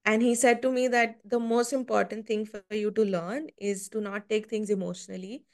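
A woman's voice: mid-range voice, normal speed. A woman in her twenties, a podcast guest, telling stories in casual conversation and acting out what people said. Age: 20s. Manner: animated storytelling, acts out quotes. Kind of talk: casual interview chat.

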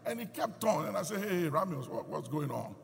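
A man's voice: a little high, big pitch swings, brisk, gravelly, big-room sound, a little hiss or hum. A man preaching a sermon, telling stories with emphasis as he teaches.

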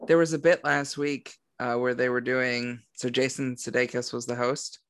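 A man's voice: mid-range voice, little pitch movement, a bit bright, clear, resonant tone, no echo. Joking young man co-hosting a podcast. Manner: joking, quick banter. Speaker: podcast co-host. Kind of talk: casual chat.

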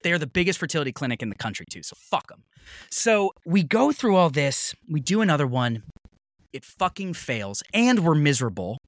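Speaking briskly with a fairly high, sing-song voice and no echo, a Maine man in his thirties tells a story as a podcast guest. He's heated and swears freely in the casual conversation, acting out the other people's lines.

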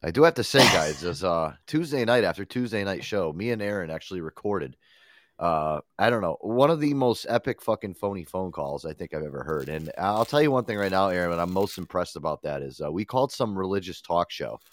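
A man's voice: low voice, animated, brisk. A man hosting a radio show in casual, profane chat, stuffed up with a head cold. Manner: swears often, laid-back rambling.

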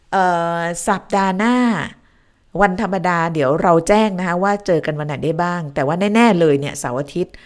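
A woman hosts a live stream from her home, with a voice that sits a little low. She moves from summing up the news to easy, chatty talk with her viewers, greeting and thanking them by name.

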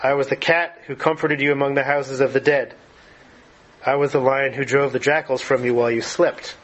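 A man reading aloud as a vast, wise lion who speaks slowly and gravely. The voice is calm and measured, the lion in a story being read to listeners. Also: medium pitch, close to an everyday voice, low-quality recording. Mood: solemn.

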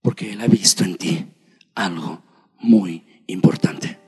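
A husky-voiced man preaching in a church, his slightly high voice trailing off in a long hall reverb. He delivers the sermon slowly, addressing the congregation directly and swinging between shouting and hushed speech. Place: church sanctuary.

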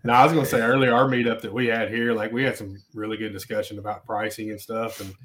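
A man's voice: lowish voice, little pitch movement, quick pace, fairly bright tone. A man with an American accent talking casually in a group conversation. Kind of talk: casual chat.

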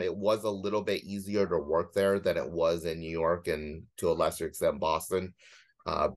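A man in his thirties casually recounting his own life and career in a matter-of-fact way, with dry self-deprecation. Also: sits low. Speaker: guest, former corporate lawyer. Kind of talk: casual autobiographical storytelling.

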